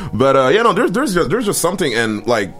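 A man's voice: on the high side, big pitch swings, quick pace, over music. A man from Cameroon hosting a casual podcast chat, talking loosely with many fillers and restarts. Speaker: podcast host.

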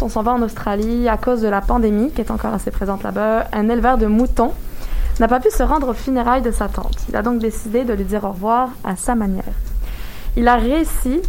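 A young woman with a Québécois accent hosts a light news segment in casual radio chat, chatty and quick to laugh, with hesitant fillers. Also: fairly high pitch, a little mellow, slight background noise.

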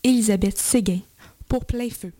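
A woman radio reporter delivering a scripted report in a measured tone. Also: fairly high pitch, mellow, dry recording.

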